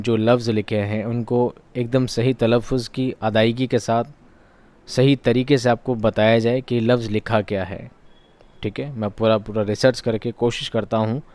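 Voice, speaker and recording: A man's voice: mid-range voice, darkish tone. A man teaching an exam-prep lesson. He asks questions and answers them himself, and he repeats key words for drilling. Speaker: online teacher.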